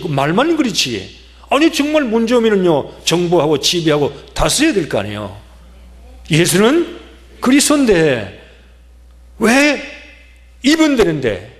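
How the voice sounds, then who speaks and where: High, lively-voiced Korean pastor preaching. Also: male voice. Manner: emphatic preaching, leading congregation in call-and-response chants. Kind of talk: sermon. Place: church sanctuary. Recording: church hall reverb.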